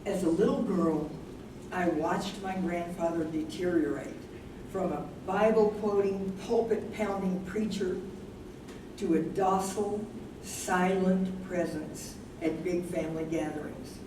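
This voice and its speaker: A woman with a lowish voice and measured pace gives a lightly acted performance as a worried professor's wife, thoughtful and anxious about her failing memory. It's a live staged reading, picked up from afar in an echoey, noisy room.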